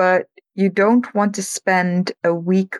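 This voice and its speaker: In a Dutch accent, a woman speaks very slowly at a fairly low pitch with monotone, flat intonation and a dry, close sound with no echo. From Netherlands, small village. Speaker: comic artist. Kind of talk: interview.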